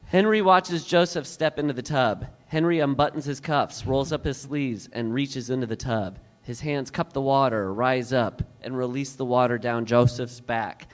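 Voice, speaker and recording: A man's voice: medium pitch, normal speed, hardly any pauses, faint music behind. A man who acts and writes, reading stage directions from his monologue and chatting casually and comically about it.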